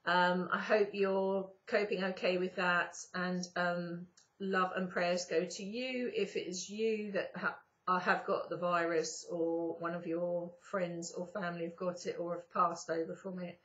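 A middle-aged woman with a croaky morning voice, talking to her webcam from a sofa at home in a slow spiritual monologue with drawn-out pauses. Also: on the low side, little pitch movement, fairly bright tone. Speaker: spiritual channeler and YouTuber. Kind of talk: casual spiritual monologue to camera. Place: indoors, sitting on a sofa at home. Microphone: webcam at close range. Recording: slightly dull webcam audio.

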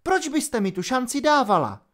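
A man's voice: very high voice, sing-song, a bit bright, voice pushed up, exaggerated voice. Give me a young female elf captain in an audiobook, as a man voices her: a lifted, tense voice pressing hard with urgency. She sounds determined and on edge. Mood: urgent. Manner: urgent, raised.

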